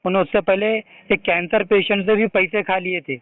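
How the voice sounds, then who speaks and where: A man's voice: high-pitched, steady tone, brisk, no room sound. A man with a Hyderabadi accent on a phone call, pressing his questions insistently and accusingly, often cutting in. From India. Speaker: activist caller questioning a religious leader. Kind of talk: confrontational phone conversation. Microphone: phone call recording. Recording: tinny, narrow-band phone line.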